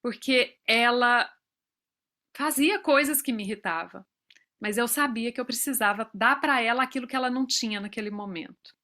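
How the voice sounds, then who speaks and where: Brazilian woman, forties, speaker at a professionals' talk; high, bright voice; tells personal stories and acts out dialogue. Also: moderate pace. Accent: Brazilian Portuguese.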